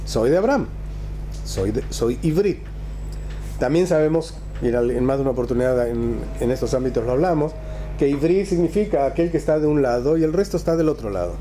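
A man's voice: medium pitch, animated, a little fast, warm tone, slight background noise. A man, a rabbi teaching a religious text in a conversational way, with rhetorical questions and emphatic repetition. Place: small classroom, indoors.

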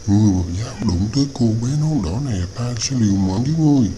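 Cartoon hunter, played by a man: protective, commanding, lowish voice, clearly noisy recording. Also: expressive, fast, warm tone, lightly acted. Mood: urgent, commanding. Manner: urgent, repeating commands. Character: brave male hunter protecting a girl, commanding. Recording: noisy home-made cartoon dub, ambience behind.

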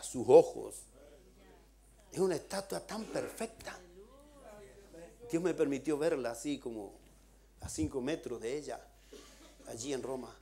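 Preaching Chilean man, shouting at climaxes. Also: on the high side. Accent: Chilean Spanish. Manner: retells a vision with many "dice", builds to shouted pleas. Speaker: pastor. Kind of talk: sermon. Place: church.

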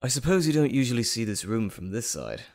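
An anxious male doctor held captive played by a man in an audio drama. He is wry and expressive, his pitch swinging widely in a mid-range voice. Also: fast, lightly acted. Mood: wry, uneasy.

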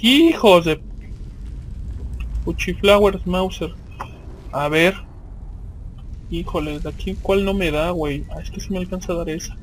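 A man's voice: high voice, measured pace, pauses often, a little hiss or hum, low-quality recording. A man with a Mexican accent giving casual, slangy, profanity-laced commentary as he plays a video game.

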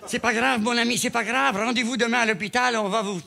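A man voicing a pompous, fussy male doctor who talks down to his patient in a high, emphatic voice. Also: fairly even intonation, quick pace, creaky, sharp tone, a faint crowd, heavily acted. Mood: bossy.

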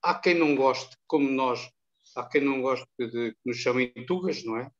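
An older man from Angola, a guest in an interview over a video call, telling anecdotes in a calm, chatty way. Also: mid-range voice, normal speed. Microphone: webcam on a video call. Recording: dull, lo-fi video call audio.

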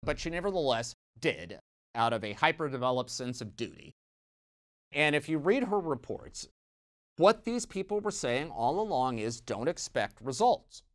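A man's voice: mid-range voice, moderate pace. Wry man giving news commentary. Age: middle-aged. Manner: wry, conversational, lively emphasis with dry asides. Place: small dark studio set, indoors. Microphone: lapel mic.

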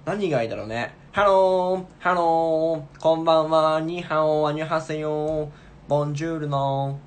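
A man's voice: fairly high pitch, normal speed. A man in his twenties chatting casually on a livestream, playfully repeating short phrases into a phone. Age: 20s. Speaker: live streamer chatting with viewers. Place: small room indoors. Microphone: phone at arm's length.

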